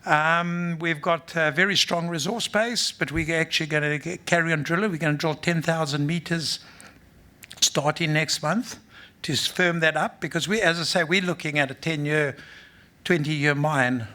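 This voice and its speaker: A man's voice: on the high side, fairly even intonation, normal speed, sharp tone. A man with a South African accent, a mining company executive giving an unscripted conference presentation in a blunt, matter-of-fact way, full of fillers and restarts. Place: conference stage.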